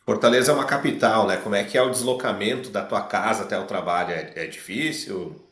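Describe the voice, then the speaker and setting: A man, a radio host asking short, conversational interview questions that trail off quietly at the ends. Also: lowish voice, fast, roomy sound.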